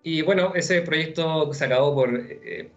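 A young man with a Chilean accent answering interview questions on a video call from home, relaxed and rambling with many fillers. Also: fairly high pitch, measured pace. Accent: Chilean Spanish. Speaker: musician guest. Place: room at home. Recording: dull lo-fi video call audio with faint music.

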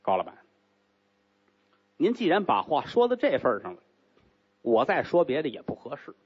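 A man voicing a haughty, commanding rich young concubine, speaking low and cool in a storytelling act. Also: huge pitch swings, normal speed, breathy edge, dull audio. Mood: stern, commanding.

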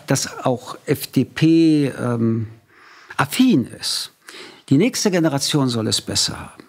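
Husky, lively older man in conversation. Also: medium pitch. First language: French. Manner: emphatic, expressive, gestures a lot. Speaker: interviewer. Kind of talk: reflective conversation. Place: small studio at a table. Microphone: studio mic on an arm.

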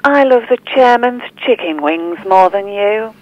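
A woman's voice: medium pitch, lively intonation, measured pace, no room sound. A woman playing a cool, coy, teasing lover of jewels in an audio drama, heard through a slightly dull radio filter.

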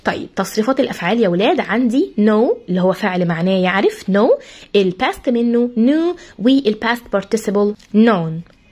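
A woman with an Egyptian Arabic accent, an English teacher who explains words to pupils and repeats each one slowly, spelling out how the sounds are said. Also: medium pitch, lively intonation, a little mellow. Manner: addresses pupils as "kids". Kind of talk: vocabulary lesson for pupils.

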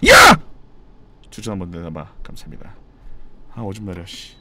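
A man's voice: sits low, a little fast, darkish tone, slight background noise. A man giving live game commentary as a streamer, casually and playfully talking to viewers, muttering repeated short phrases and bursting into exclamations.

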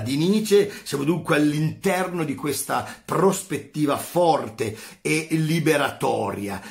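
A man's voice: a little high, gravelly. A man teaching philosophy in a video lesson, emphatic and repeating phrases for stress.

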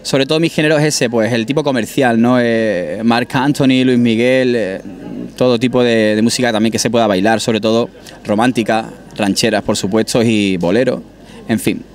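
A young singer from Málaga, Spain, is interviewed outdoors on a restaurant terrace, speaking into a handheld mic the interviewer holds. His voice is medium-pitched and steady at a moderate pace, and he chats in a friendly, modest way with many restarts.

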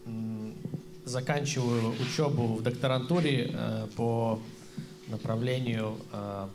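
A man in his thirties introducing himself conversationally as a panel guest, halting and deliberate. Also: mid-range voice. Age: 30s. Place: stage in a church hall. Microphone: handheld microphone. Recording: clearly noisy room ambience.

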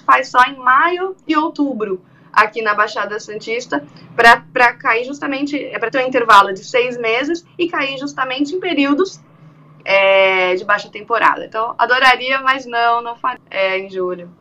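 Bright-voiced woman on a video call. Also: on the high side, moderate pace. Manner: animated, acts out quoted dialogue. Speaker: event organizer guest. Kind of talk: remote interview on radio-TV news show. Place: small room indoors. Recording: dull lo-fi video call audio.

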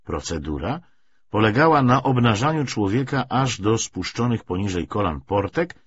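A man reading literary prose aloud as an audiobook narrator, with a husky voice. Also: medium pitch, muffled recording.

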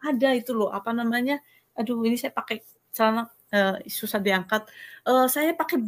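Her voice a little high, she tells her faith story in an interview conducted by video call, speaking earnestly and with hesitations.

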